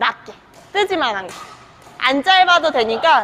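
Over light background noise, a woman speaks at an extremely high pitch. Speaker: badminton coach. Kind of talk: lesson instruction. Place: hall.

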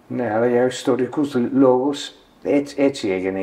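Speaking fairly slowly with an English accent, a man uses ordinary pitch variation. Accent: English-accented Greek. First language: English (speaking Greek). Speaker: interviewee. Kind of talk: interview. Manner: halting. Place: home room. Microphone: lapel.

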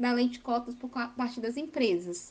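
The speaker talks at a fairly slow pace in a Brazilian accent. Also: woman. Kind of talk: interview. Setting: recorded audio message.

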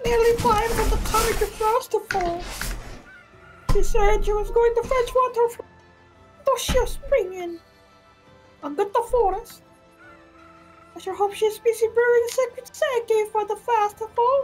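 Faint music sits in the background of speech marked by long, frequent pauses. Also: moderate pace. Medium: virtual streamer. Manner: fretful.

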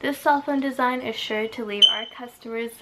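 A woman at a moderate pace over light background noise. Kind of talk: scripted product presentation. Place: home room. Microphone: camera far.

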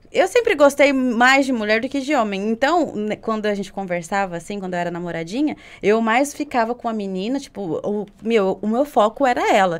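The intonation here is lively. Speech unfolds at a moderate pace. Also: woman, fairly high pitch for a woman. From interior of Brazil. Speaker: adult content creator. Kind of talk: casual chat.

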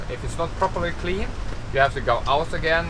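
A man talks at a moderate pace while noticeable background noise carries on behind him. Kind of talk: interview answer. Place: boat. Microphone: phone near.

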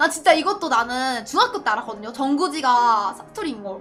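A woman talks at a fairly quick pace in a raised, projected voice, with very wide pitch swings. Music plays in the background. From Gyeongsang region, South Korea. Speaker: virtual streamer. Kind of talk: casual livestream talk.

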